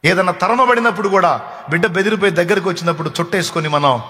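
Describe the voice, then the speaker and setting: A man's voice: high-pitched, fast talker, pushed and bright, slight background noise. Fervent preacher man in echoing hall. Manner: emphatic, repeats phrases, acts out comforting words. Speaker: pastor. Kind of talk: sermon. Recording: reverberant hall sound.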